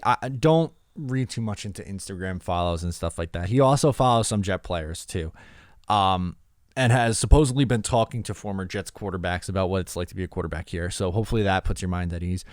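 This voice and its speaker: A man hosts a casual sports talk podcast with a fairly low, smooth voice. He is opinionated and blunt in his answers. The recording is dry and close. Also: no room sound.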